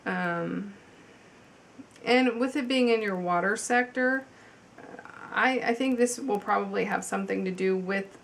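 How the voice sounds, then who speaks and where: Woman with a cold, mid-pitched, reading tarot at home; casual, halting, lots of ums. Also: vocal fry, slight background noise. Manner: chatty, halting with many ums and restarts. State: has a cold, slightly congested. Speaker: tarot reader.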